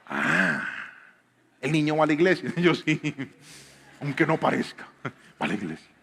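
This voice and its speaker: A man's voice: fairly high pitch, big pitch swings, normal speed, gravelly, a little hiss or hum. A man in his thirties preaching a sermon as a pastor, telling personal stories and acting out quotes in changing voices. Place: church hall with live piano. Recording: live hall reverb with piano. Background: soft piano.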